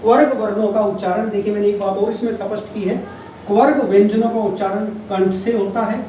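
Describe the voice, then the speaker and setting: Hindi teacher, echoey and distant. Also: male voice, high-pitched, fairly even intonation, dark tone. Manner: explains patiently, repeats key terms and drawls examples slowly. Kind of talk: classroom-style lecture. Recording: distant mic, echoey room, faint noise.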